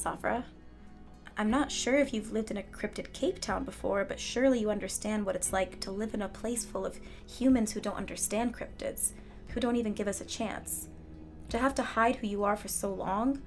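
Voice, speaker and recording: A woman playing a calm, principled townswoman who speaks in a measured, articulate way in an audio drama. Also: mid-range voice, soft background music, close to an everyday voice. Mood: earnest, persuasive. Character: calm, principled female cryptid townsperson, gently persuasive. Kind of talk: naturalistic audio drama dialogue.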